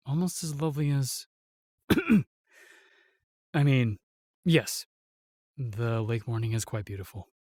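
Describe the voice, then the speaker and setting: A man's voice: mid-range voice, a little mellow, dry recording, clean studio sound, close to an everyday voice. An actor playing a protective male knight in a fantasy audio roleplay, formal, courteous and earnest.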